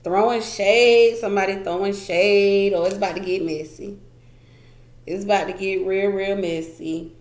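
A woman's voice: mid-range voice, fairly even intonation, measured pace, a little mellow. Chatty woman reading tarot cards. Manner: chatty, emphatic, repeats phrases, laughs often. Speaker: tarot reader. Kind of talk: casual tarot card reading. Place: indoor room at a wooden table. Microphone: camera pointed down at the table, speaker off frame. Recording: echoey room, faint noise.

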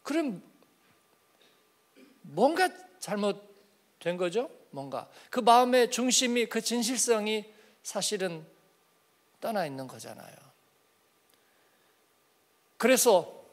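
A man's voice: sits high, sing-song, takes it slowly, long pauses. A man preaching an early-morning church sermon in a conversational way, asking the congregation questions and acting out little everyday exchanges. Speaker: pastor.

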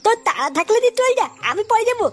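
A woman's voice: very high-pitched, animated, rapid-fire. A woman voicing a stubborn, cocky young village boy who grumbles dismissively in a comedy cartoon. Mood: defiant. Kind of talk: amateur comedy cartoon dialogue.

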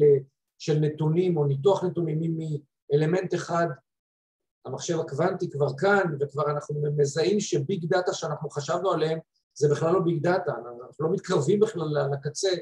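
A man's voice: a little high, darkish tone, echoey room, slight background noise. A man speaking emphatically, explaining his points in an online panel discussion over a video call.

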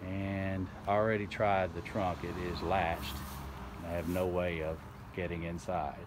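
A man's voice: low-pitched, little pitch movement, a little slow. A man casually narrating a walkaround video outdoors beside a house, rambling and restarting as he goes. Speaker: car video host. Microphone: handheld camera, speaker off screen. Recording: outdoor video with clear background noise.

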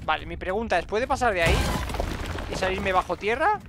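A man giving excited gameplay commentary as a streamer, repeating words in quick bursts and talking to himself and his viewers. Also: high voice, heavy background noise. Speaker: gaming streamer.

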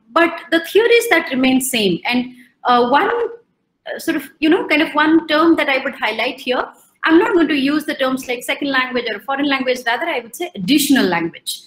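High-voiced Indian woman lecturing on a video call. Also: lively intonation, moderate pace, a bit bright, reverberant, rough recording. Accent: Indian English. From Odisha, India. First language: Odia. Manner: hesitant, many fillers and restarts, posing questions. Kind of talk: online lecture. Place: indoor room.

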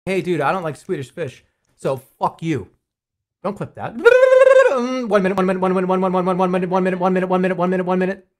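A man's voice: high-pitched, fast, faint music behind. A man in his thirties streaming from home, rambling and swearing as he chats, on a desk mic. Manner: animated, rambling, swears a lot. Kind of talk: casual livestream chatter.

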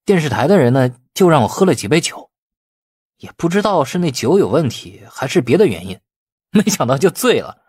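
A man's voice: fairly high pitch, big pitch swings, a little fast, a little mellow, slightly rough, no echo, clean studio sound, voice pushed up. A man voicing a glib, cunning young man in an audiobook, wheedling and feigning innocence with false earnestness. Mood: feigned panic.

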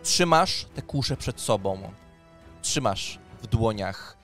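A man narrating a tabletop role-playing game as game master, pausing deliberately as he describes scenes. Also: lowish voice, expressive, fairly bright tone. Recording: music under the voice. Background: background music.

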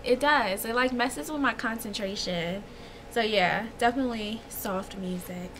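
A woman's voice: on the high side, unhurried, background noise. A woman in her thirties chatting casually to camera at home, giggling and rambling through a list of personal questions. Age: 30s. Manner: chatty, giggly, lots of fillers. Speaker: vlogger. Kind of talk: casual chat answering tag questions. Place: small home room with shelves.

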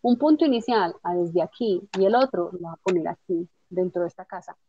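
A woman teaching a software tutorial step by step, patiently checking that her student follows along. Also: fairly low pitch, fairly quick, a little hiss or hum. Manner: patient, explanatory, checks understanding with tag questions. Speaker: instructor. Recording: dull lo-fi dry audio.

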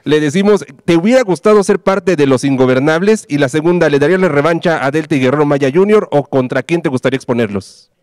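A man's voice: on the high side, quick pace, darkish tone, smooth, no echo, studio quality. A man with a Mexican accent putting questions to interviewees as a reporter on a sports show. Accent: Mexican Spanish.

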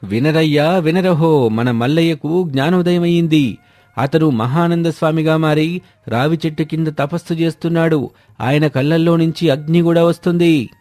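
A man's voice: fairly high pitch, normal speed, darkish tone, voice pushed up, lightly acted. A man voicing a village crier in a moral story, calling out announcements theatrically. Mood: excited, proclaiming. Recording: music behind the voice.

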